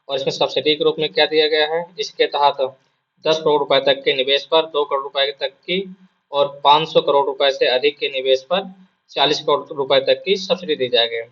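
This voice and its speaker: A man with a sore throat coaches exam students in a loose, conversational lesson. His voice sits slightly high and keeps coming back to the same points. The sound is muffled and low-fidelity. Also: bright, forceful tone. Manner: repeats points, asks and answers his own questions. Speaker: exam prep teacher. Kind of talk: casual spoken lesson.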